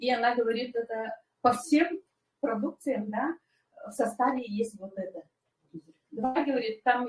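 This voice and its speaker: A moderate pace with ordinary pitch variation. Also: woman. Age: 60s. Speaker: retired operating-room nurse giving product testimonial. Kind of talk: testimony. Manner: halting.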